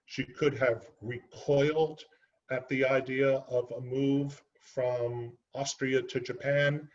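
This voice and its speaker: A man's voice: medium pitch, little pitch movement, slow, muffled recording. A man giving an author talk, speaking earnestly and unhurriedly about his book, with frequent ums and uhs. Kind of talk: library author presentation.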